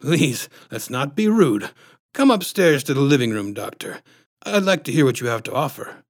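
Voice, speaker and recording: A man's voice: mid-range voice, sing-song, moderate pace, no echo, clean studio sound. A man voicing a nervous, polite father in a storybook who tries to placate everyone. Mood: placating. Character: Italian husband and father, nervous, placating chef.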